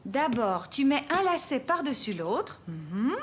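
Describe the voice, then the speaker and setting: A woman voicing a gentle, patient young mother in a children's cartoon dub, encouraging and explaining things step by step. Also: sits high, very animated, unhurried.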